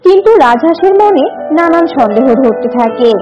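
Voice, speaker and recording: A woman's voice: sits high, lively intonation, moderate pace, lo-fi sound, over music. A woman narrator reading a scripted children's animal story.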